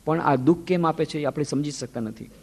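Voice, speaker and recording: A man's voice, a little high for a man, delivers a spiritual discourse in an ashram hall where every phrase trails off in a long reverb. He preaches in a storytelling way and acts out the voices of the people he quotes. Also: brisk, darkish tone, slightly rough. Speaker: monk giving a lecture series.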